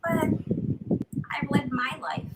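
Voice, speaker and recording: Woman playing a wry old lady in a comedy mockumentary, high and lively, loud noisy recording. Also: extremely slow. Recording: loud background noise.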